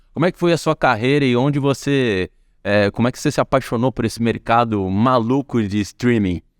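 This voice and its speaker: Recorded dry and close with no echo against a silent background in a very clean recording, a man with a Brazilian accent speaks at a fairly quick pace in a medium pitch, his loudness very even and his pitch varying in an ordinary way. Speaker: podcast host. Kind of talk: podcast interview.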